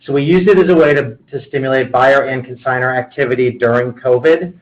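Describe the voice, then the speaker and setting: A man's voice: mid-range voice, a little fast. A man speaking as a company executive, explaining business matters on a conference call. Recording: dull conference call audio.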